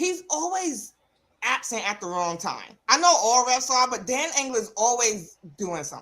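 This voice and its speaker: A woman with a New York accent speaks at a moderate pace in a bright, sharp tone. Her high pitch makes very wide swings. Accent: New York accent, noticeable. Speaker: wrestling commentator. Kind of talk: casual chat. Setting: live stream.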